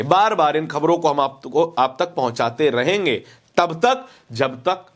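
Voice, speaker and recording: A man presenting opinionated news commentary, speaking emphatically with repeated phrases and rhetorical questions. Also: fairly high pitch.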